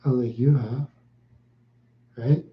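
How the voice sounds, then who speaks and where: A man chatting slowly with viewers on a live stream, answering in short, halting phrases and often repeating himself. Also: mid-range voice, fairly even intonation, echoey room, lo-fi sound. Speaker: livestreamer.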